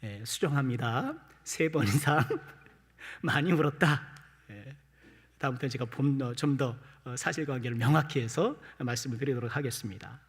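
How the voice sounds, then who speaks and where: A man's voice: medium pitch, moderate pace, breathy edge. A male pastor preaching a Sunday morning sermon, questioning the congregation directly with light humor. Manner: addresses the congregation with rhetorical questions, light self-deprecating humor. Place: church sanctuary. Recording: long church-hall reverb.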